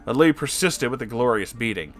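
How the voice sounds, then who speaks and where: A man reading a story aloud as an online narrator, expressive and casual, with dramatic delivery. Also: medium pitch, a little fast. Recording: music behind the voice. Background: background music.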